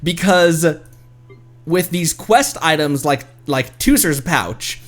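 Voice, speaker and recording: A man hosting a live game stream with casual, expressive, self-teasing commentary. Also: fairly high pitch, slow, faint music behind.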